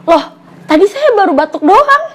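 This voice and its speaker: A woman's voice: very high voice, sing-song, normal speed. A woman in her twenties, from Palembang, talking in a sassy, exasperated way in a comedy sketch. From Palembang, Indonesia. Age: 20s. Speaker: comedy YouTuber.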